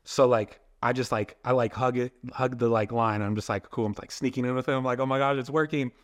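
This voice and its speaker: A young adult man, a filmmaker and photographer, appears as a podcast guest and talks fairly quickly in a steady, mid-range voice. He tells long, rambling stories in a casual way, packed with "like" fillers.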